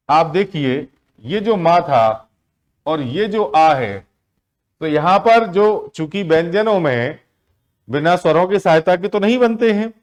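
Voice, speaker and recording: This exam-prep grammar teacher has a slightly high voice. Again and again he poses questions to the class and supplies the answers himself, drawing out the important words.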